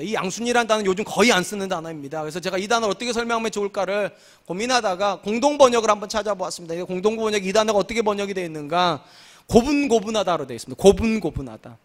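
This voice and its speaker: A man's voice: high voice, a bit bright. A man in his forties, a senior pastor, preaching a sermon in a humorous, conversational way with acted quotes. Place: church sanctuary.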